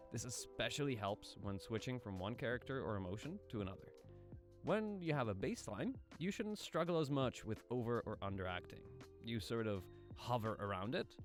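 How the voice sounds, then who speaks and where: A man narrating a casual explainer video as an aspiring voice actor, informal and self-deprecating, posing rhetorical questions. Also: on the low side.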